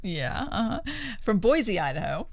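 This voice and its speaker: A woman's voice: medium pitch, big pitch swings, unhurried, gravelly, no echo. A woman co-hosting a podcast, casually retelling paranormal stories in a conversational, chuckle-prone way. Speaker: podcast co-host.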